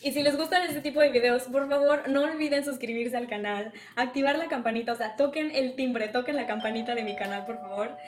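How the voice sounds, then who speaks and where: A woman in her twenties with a Mexican accent, chatting excitably and casually like a vlogger in her kitchen. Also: sits high, brisk, hardly any pauses, faint music behind. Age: 20s. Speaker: vlogger, prankster. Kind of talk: animated casual vlog chat and phone prank. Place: small home kitchen, indoors. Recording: roomy kitchen echo.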